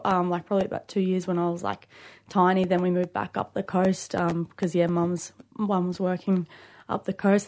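A woman's voice: mid-range voice, a little mellow. Young Aboriginal Australian woman, chatting informally. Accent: Aboriginal Australian English. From Queensland, Australia. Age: late 20s. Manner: informal, with frequent "like" and "you know". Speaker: studio guest, rugby league player. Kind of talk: casual interview chat.

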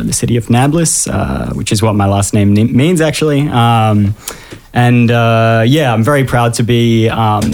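A man born and raised in Australia, a guest on a radio show, who speaks calmly and in a measured way with frequent uhs. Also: on the low side. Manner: calm, measured with many uhs. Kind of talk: interview answers.

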